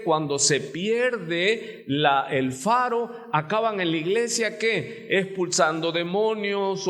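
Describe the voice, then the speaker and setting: A male pastor with a Mexican Spanish accent preaches a sermon in a church sanctuary, frequently asking the congregation rhetorical questions. His voice is high-pitched and fairly bright, and the room carries a long church reverb.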